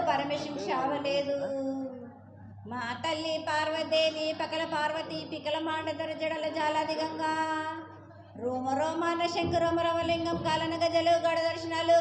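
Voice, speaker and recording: A woman's voice: extremely high pitch, a little hiss or hum. A woman delivering a ritual prophecy as an oracle, declaiming in short incantatory phrases in a prophetic trance voice. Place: echoing temple festival ceremony. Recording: echoey sound with music behind.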